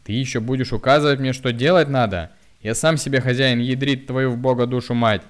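A man voicing a drunken, furious middle-aged village uncle who shouts and curses. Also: medium pitch, fairly even intonation, a little slow, pitched above the performer's own voice, close to an everyday voice. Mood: drunken rage. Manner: shouting, cursing, growling.

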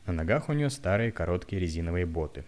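Low-voiced man reading a story. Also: quick pace. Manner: plain steady reading with occasional stumbles. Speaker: narrator.

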